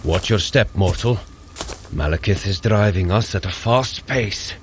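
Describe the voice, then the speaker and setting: A man's voice: fairly low pitch, measured pace, slight background noise, natural voice. An actor playing a proud, blustering thunder god in an audio drama, lofty and old-fashioned in his phrasing. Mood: gruff, watchful.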